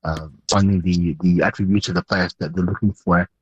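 A man's voice: low-pitched, fairly even intonation, a little fast, breathy edge, no room sound, lo-fi sound. A man, answering news interview questions, hesitant with many fillers and restarts. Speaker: interviewed sports executive.

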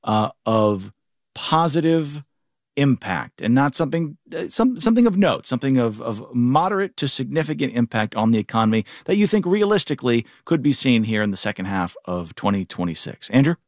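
A man's voice: mid-range voice, very animated, a little fast, dry recording, studio quality. A man hosting a radio talk show panel, asking long, informal questions with restarts. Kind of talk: moderating a panel discussion.

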